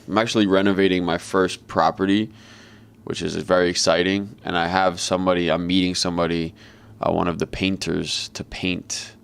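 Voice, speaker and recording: A man with a very deep, heavily gravelly voice talks through the markets live. His delivery is flat and monotone, casual and blunt, and he swears freely. He sounds like he is on a video call. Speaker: trader and market commentator. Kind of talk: live trading commentary.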